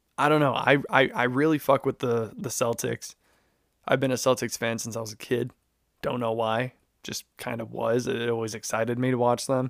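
In a Chicago accent, a man speaks with fairly even intonation, and the sound is dry and close with no echo. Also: medium pitch for a man, moderate pace. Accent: Chicago American. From Chicago, US Midwest. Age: 20s. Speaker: podcast host. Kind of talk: casual solo monologue.

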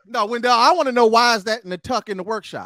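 A man's raised, projected voice races at a very fast pace, high in pitch with a bright, sharp tone and a dry, close sound with no echo. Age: 40s. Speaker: podcast host. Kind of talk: casual chat. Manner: animated.

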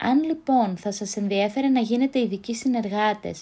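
A woman's fairly high-pitched voice with a dark, mellow tone at a moderate pace, on a very clean recording with a silent background. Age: 20s. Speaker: law student and student association officer. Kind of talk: recorded audio message. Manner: formal.

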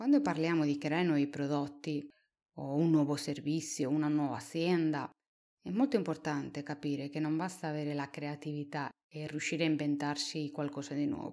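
A woman with a Spanish accent speaks in a very deep, low pitch and a dark, mellow tone, her intonation monotone and flat, on a very clean recording with a silent background. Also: moderate pace. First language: Spanish (speaking Italian). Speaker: marketing consultant podcast host. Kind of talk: solo educational podcast monologue.

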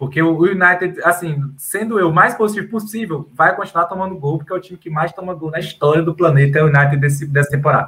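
Speaking at a fairly quick pace, this man has a bright, sharp tone, a fairly high pitch and fairly even intonation. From Teresina, Piauí, Brazil. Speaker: football fan page representative. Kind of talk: casual football chat.

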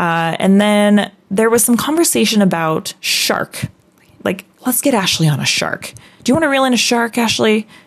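Lively intonation and very even loudness mark this moderate-paced voice with an American accent, heard over noticeable background noise. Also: woman, fairly high pitch for a woman. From US Pacific Northwest, Washington. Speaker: fishing guide and podcast host. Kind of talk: solo podcast monologue. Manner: animated.

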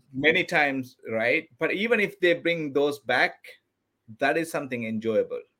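With a Sri Lankan accent, the speaker uses a bright, sharp tone and lively intonation at a moderate pace. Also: man, fairly high pitch for a man. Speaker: former reality TV contestant. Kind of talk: casual chat. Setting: video call.

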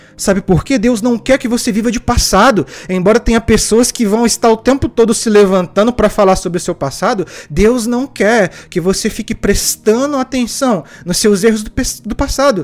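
A moderate pace and ordinary pitch variation, with a dry, close sound and no echo. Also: man, high pitch for a man. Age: 20s. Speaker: lay preacher podcaster. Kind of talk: sermon. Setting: live stream.

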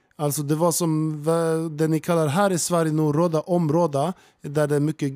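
A man's fairly high-pitched voice with a dark, mellow tone, monotone and flat, at a moderate pace and very even loudness, in a very clean, dry, close recording with no echo and a silent background. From Brazil. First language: Portuguese (speaking Swedish). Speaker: podcast co-host. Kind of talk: casual chat. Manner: halting.

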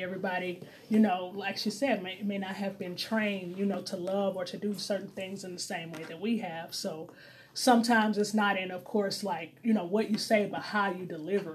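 A woman's monotone, flat delivery at a fairly quick pace, with audible room echo. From US Midwest, St. Louis, Missouri. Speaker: podcast guest. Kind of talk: casual chat.

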